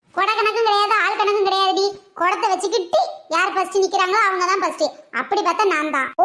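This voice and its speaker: A woman performs a cartoonish character voice at an extremely high pitch, speaking at a fairly quick pace with fairly even intonation and very even loudness. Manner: bossy, scolding, sharp-tongued.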